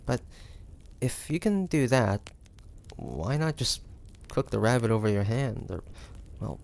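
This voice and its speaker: A man acts out a proud 1850s demon hunter in an intimate roleplay drama. His mid-pitched voice has a lot of gravelly fry. He speaks slowly and haltingly, with breathy sighs and a sardonic, guarded temper. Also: lively intonation, a little mellow. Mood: grudging, puzzled. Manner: halting, breathy sighs, indignant then grudging.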